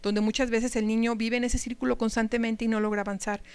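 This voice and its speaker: A woman's voice: fairly high pitch, level tone, a little fast, a little mellow, clean tone. A woman giving a live lecture to teachers, talking conversationally and asking the audience questions. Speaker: speaker at a teacher training talk.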